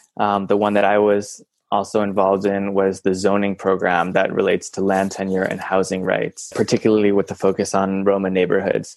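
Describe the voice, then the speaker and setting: In a Midwestern US accent, a man speaks at a moderate pace and fairly low pitch over a quiet background. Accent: US Midwest. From Iowa, US Midwest. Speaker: former immigrants' rights lawyer, translator. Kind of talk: interview.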